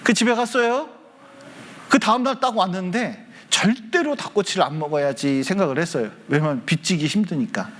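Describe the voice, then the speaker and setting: Male pastor, high voice, children's sermon, lively call-and-response with kids. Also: brisk. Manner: lively, asks the children questions. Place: church hall.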